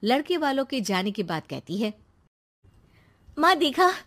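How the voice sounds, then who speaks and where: A woman narrating a cartoon story in a plain, steady storytelling voice. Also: mid-range voice, brisk.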